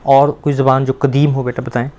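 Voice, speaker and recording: A man's voice: mid-range voice, little pitch movement, darkish tone. Patient male teacher explaining a lesson. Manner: patient, explains step by step, repeats words slowly, quizzes the student. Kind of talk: classroom language lesson.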